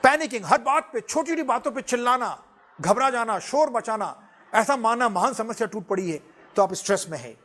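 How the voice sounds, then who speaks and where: A middle-aged man lectures students with lively, animated delivery, often chuckling as he talks. His voice sits noticeably high for a man, and he drops English phrases freely into his talk. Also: fairly quick.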